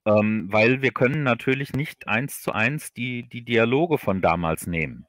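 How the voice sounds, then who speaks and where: A man chatting as an interview guest on a livestream, explaining in a halting way and often repeating words. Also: mid-range voice, lively intonation, a bit bright, no room sound, clean studio sound. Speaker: guest audio drama writer. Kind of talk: casual interview chat on a livestream.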